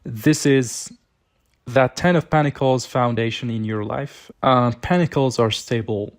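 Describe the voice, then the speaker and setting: Guy doing a tarot reading, normal mid pitch, chatty and informal, kinda thinking out loud while he explains cards. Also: a little slow. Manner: conversational, informal, thinking aloud. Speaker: tarot reader, channel host.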